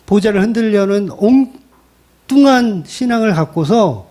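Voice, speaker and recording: A male pastor preaches a sermon at normal speed with an animated, colloquial delivery, dramatizing the lines he quotes. His fairly high voice swoops widely in pitch, and its tone is mellow rather than bright.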